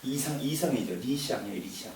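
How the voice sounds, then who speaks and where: A man's voice: mid-range voice, expressive, fairly quick, vocal fry, darkish tone. A man giving a casual lecture to an audience, talking conversationally with frequent fillers and repeated words. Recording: very echoey room, distant mic, faint noise.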